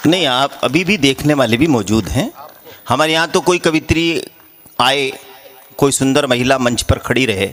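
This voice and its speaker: A man's voice: medium pitch, moderate pace, a bit bright, slight background noise. A man emceeing a live poetry gathering on an outdoor stage, trading teasing banter and reciting couplets into a stage mic. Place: outdoor stage before a crowd. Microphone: stage microphone.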